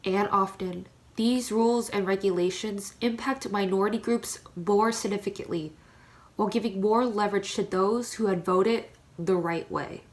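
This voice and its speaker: A woman giving serious, deliberate scripted narration in a readers theater performance. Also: medium pitch, close to an everyday voice.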